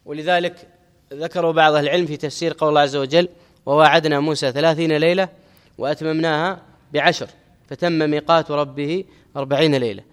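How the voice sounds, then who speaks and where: Fast-talking male scholar in a reverberant hall. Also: on the high side, steady tone. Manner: measured teaching, quotes scripture and repeats key phrases for emphasis. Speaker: Islamic scholar teaching hadith commentary. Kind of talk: religious lesson, explaining a text.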